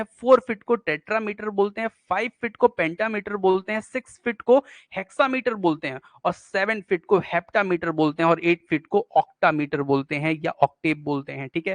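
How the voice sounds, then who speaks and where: A man's voice: high-pitched, no room sound. A man teaching poetic meter in an exam-prep lesson, explaining step by step, asking questions and answering them himself. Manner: reads poetry lines slowly, syllable by syllable. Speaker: English literature teacher.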